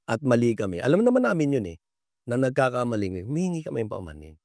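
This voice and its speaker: An older man, a veteran basketball referee, answering interview questions in a polite, halting way with many pauses. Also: medium pitch, sing-song, a little mellow, no echo, clean studio sound.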